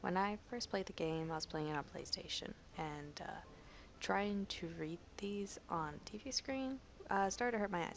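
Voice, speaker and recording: A quiet woman at a moderate pace, with music in the background. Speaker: let's play gamer. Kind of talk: casual talk to camera.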